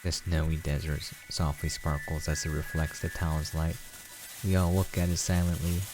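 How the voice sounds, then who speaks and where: A man's voice: extremely low pitch, little pitch movement, normal speed, over music. A man reading a visual novel aloud as a gameplay host, dropping in casual, conversational asides.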